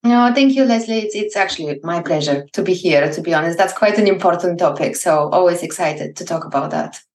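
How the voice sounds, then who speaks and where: A woman speaks as an interview guest in an expressive, enthusiastic way. Her voice sounds roomy and echoey, as if she is a bit back from the microphone. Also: fairly low pitch, a little fast, recorded from a distance. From Bulgaria. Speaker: psychologist guest. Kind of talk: interview conversation. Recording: echoey room, away from the mic.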